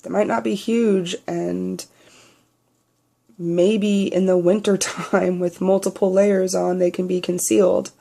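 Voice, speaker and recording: Speaking slowly in a level, gravelly, mellow tone, this young trans vlogger pushes his naturally high voice lower. His video diary is frank and blunt, with plenty of swearing.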